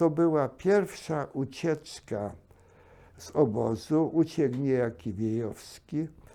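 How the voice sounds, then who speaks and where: The speech comes at a very slow pace. The recording is very clean, with a silent background. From Poland, Tarnów. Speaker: Holocaust survivor, former camp prisoner. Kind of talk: oral history testimony. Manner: halting, with frequent fillers and restarts.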